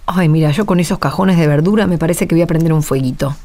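A woman's voice: sits low, fast, warm tone, faint music behind, close to an everyday voice. An actress with an Argentine accent playing a practical, talkative, country-raised poor mother in a radio play. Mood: chatty, practical. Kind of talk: radio drama acting.

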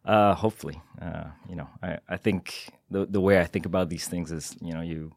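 A middle-aged man answers interview questions in a very low voice. He talks in a measured, hesitant way, full of small fillers. The studio sound is dry. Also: fairly even intonation, creaky, no room sound. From Singapore. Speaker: guest, tech executive. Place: podcast studio.

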